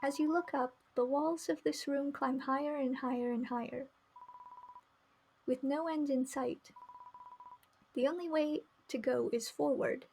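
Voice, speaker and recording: High-voiced woman streaming a visual novel. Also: fairly even intonation, measured pace, pauses often, a little mellow, slight background noise. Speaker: game streamer. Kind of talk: live read-aloud narration with casual commentary. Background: faint music.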